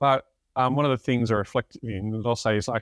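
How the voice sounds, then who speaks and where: The speech comes very fast in an Australian accent, with ordinary pitch variation. The sound is dry and close with no echo, on a very clean recording with a silent background. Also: man. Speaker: defence policy professor. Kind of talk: roundtable discussion.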